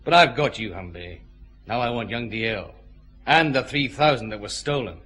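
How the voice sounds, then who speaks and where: An actor playing a firm, methodical police chief inspector, questioning a suspect in a vintage radio drama. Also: male voice, medium pitch, lively intonation, fairly bright tone. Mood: stern. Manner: brisk, methodical, dry authority.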